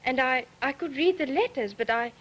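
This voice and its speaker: High-voiced South African teenage girl. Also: lively intonation, moderate pace. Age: late teens. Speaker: student panelist.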